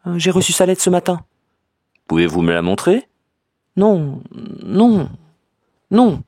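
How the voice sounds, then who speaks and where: A distraught society lady pleads in a high, halting falsetto, as a man reads her in an audiobook. The voice leaps and trembles, close to tears. It sits dry and close to the mic. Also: wildly swooping pitch, darkish tone, no room sound, full character voice. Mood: hesitant.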